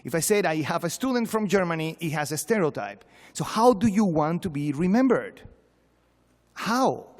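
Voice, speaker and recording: Male Venezuelan professor, Spanish-accented English, slightly high pitch, emphatic and wry conference delivery, reverberant hall. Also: big pitch swings, normal speed. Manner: emphatic, repeats words, rhetorical questions. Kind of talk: informal conference speech, humorous and exhortatory. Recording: echoey hall, long reverb.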